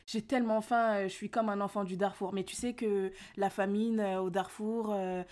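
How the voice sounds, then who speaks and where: A woman co-hosting a casual chat, telling animated stories and slipping English phrases in. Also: medium pitch, normal speed. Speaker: podcast co-host.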